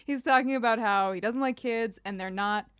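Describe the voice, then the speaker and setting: A woman's voice: fairly high pitch, normal speed, a bit bright, smooth, dry recording, studio quality. A woman co-hosting a podcast, chatting casually about a TV show in a playful, wry, rambling way full of "like". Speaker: podcast co-host.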